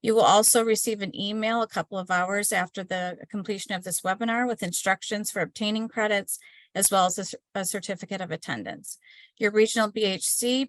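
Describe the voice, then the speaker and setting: A woman's voice: medium pitch, no echo. Woman hosting a webinar, dry close sound. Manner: scripted, steady delivery with small slips. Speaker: webinar host. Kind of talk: reading announcements and introduction.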